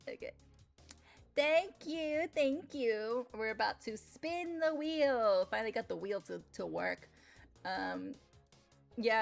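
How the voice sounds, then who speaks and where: A young woman livestreaming in a loud, animated voice that sits a little high for a woman. She chats casually and breaks into laughter often, drawing out her words at a leisurely pace. Faint music plays under her voice. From Latin America. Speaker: streamer.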